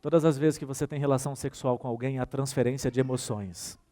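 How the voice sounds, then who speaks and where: A man's voice: medium pitch, quick pace. A man with a Brazilian Portuguese accent giving a workshop talk, telling anecdotes, acting out the dialogue and speaking straight to his audience. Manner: animated storytelling, acts out dialogue; addresses audience directly.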